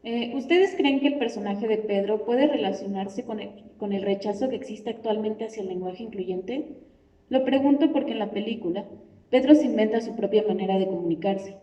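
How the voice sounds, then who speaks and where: A woman reads a question aloud at a press conference in a plain, even way. Her voice is mellow. It sounds dull and distant, with room echo. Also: mid-range voice, normal speed. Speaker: moderator reading a question.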